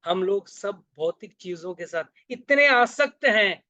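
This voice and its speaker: A man giving a storytelling sermon, acting out the characters' lines with lively shifts in tone. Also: high-pitched, measured pace, no room sound, highs cut off. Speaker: spiritual speaker.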